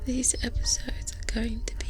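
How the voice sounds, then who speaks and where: A woman voicing a soothing, protective vampire sire in a hushed, gently reassuring ASMR roleplay, close on a binaural microphone. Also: on the high side, level tone, normal speed, music in the background, lightly acted. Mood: soothing, tender. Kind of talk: ASMR roleplay, soft speaking.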